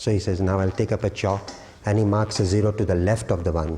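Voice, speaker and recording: This man talks at a fairly quick pace in a fairly low pitch, his dark, mellow tone somewhat breathy, with fairly even intonation and very even loudness. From India. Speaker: merchant seaman; storyteller. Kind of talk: spiritual talk to a retreat audience. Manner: humorous.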